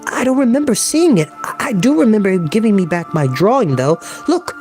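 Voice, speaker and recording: A man plays a young boy in a storybook. He pitches it high and speaks emphatically, sounding indignant and full of disbelief. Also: very animated, brisk, a little mellow, soft background music. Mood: puzzled.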